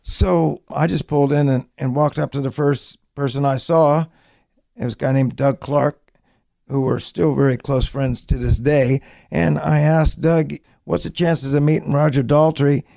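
A middle-aged man, a songwriter telling stories in an interview with lively acted-out quotes. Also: a little high, normal speed, creaky. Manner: folksy, animated storytelling with acted-out quotes. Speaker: songwriter guest. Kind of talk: storytelling interview.

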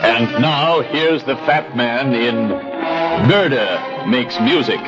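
Slow booming radio announcer. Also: male voice, animated, loud music behind the voice. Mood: dramatic. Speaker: show announcer. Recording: dull old radio broadcast.

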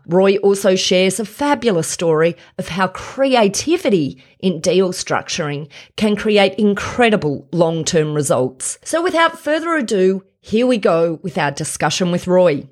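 A middle-aged woman hosting a business interview podcast, upbeat and enthusiastic, quick to laugh. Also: medium pitch. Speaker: podcast host, commercial lawyer.

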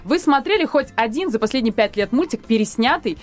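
A woman, a guest on a radio talk show, arguing her case in a lively, persuasive way. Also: fairly high pitch, fairly quick. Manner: animated, persuasive, addresses others directly. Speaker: studio guest. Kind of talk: radio panel discussion. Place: radio studio.

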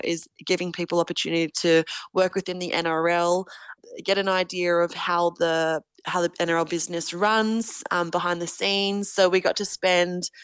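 Woman in her twenties, interview guest: low-pitched, smooth, earnest and thoughtful, dry close sound. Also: a bit bright, no room sound. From Australia. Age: 20s. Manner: earnest, reflective, thinks aloud. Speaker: guest, rugby league captain. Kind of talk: casual interview answers.

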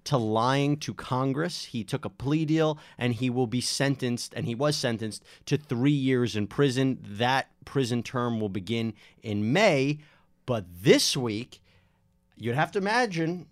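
A man co-hosts a talk show and walks through legal news in an easy, conversational manner, slipping in a few jokes. His voice sits at an ordinary pitch for a man. The sound is dry and close, with no room echo. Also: lively intonation, a little slow. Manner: explains legal points conversationally, jokes along. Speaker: podcast co-host. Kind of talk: casual legal news discussion.

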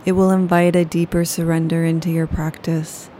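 Female meditation guide, low flat calm delivery, warm dark tone. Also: a little hiss or hum. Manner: slow, soothing, unhurried. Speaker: yoga nidra guide.

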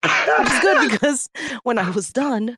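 A woman telling loud, laughing stories as a panelist in a casual live chat. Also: on the high side, sing-song, measured pace, husky, no echo.

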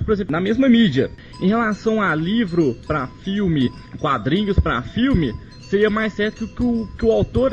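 A man's voice: high voice, dull audio. A man explaining his ideas in a thoughtful way during a casual podcast discussion.

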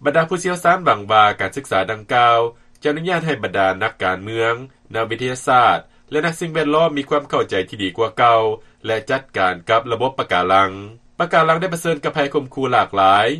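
A man with a Lao accent delivers a scripted news report. His voice is mid-pitched, with a sharp, forceful brightness. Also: expressive, quick pace, few pauses.

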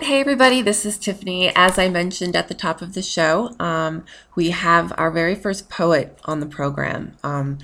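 A woman's voice: on the low side, creaky, fairly bright tone. Chatty upbeat woman hosting a podcast. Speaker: podcast host. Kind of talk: casual interview chat.

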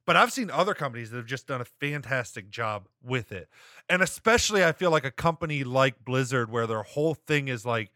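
A man's voice: mid-range voice, lively intonation, a little fast, sharp tone, dry recording, clean studio sound. A man co-hosting a live-streamed talk show, rambling and hedging with lots of restarts as he reads chat and gives his view. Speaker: podcast co-host.

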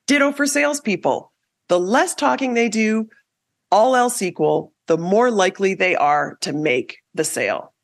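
A woman's voice: medium pitch, moderate pace, vocal fry. A woman hosting a podcast, giving scripted advice on communication in an emphatic, coaching way. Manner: lively, emphatic coaching delivery. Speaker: podcast host.

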